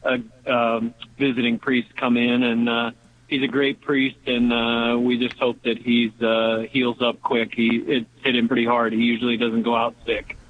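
A man calling in to a radio show, speaking haltingly with many pauses. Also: mid-range voice, completely flat delivery. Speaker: caller. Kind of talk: phone-in request. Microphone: telephone. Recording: phone line.

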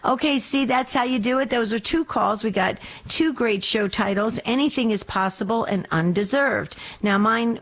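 Chatty woman hosting a call-in show. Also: mid-range voice. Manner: chatty, warm-spoken with frequent restarts. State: slightly scratchy voice. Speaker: radio talk show host. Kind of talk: call-in radio chat.

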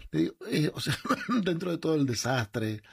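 A man's voice: fairly high pitch, very animated, moderate pace, gravelly, husky, no echo, studio quality. A man hosting a talk show, chatting in an easy, thoughtful way and drawing out his words. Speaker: radio host. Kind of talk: casual chat. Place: New York.

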